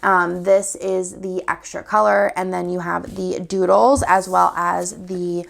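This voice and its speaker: Sniffly woman with vocal fry. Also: lowish voice, level tone, unhurried. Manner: chatty, upbeat, walks through items one by one. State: sniffly from a cold. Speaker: sticker shop owner. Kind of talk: casual product showcase.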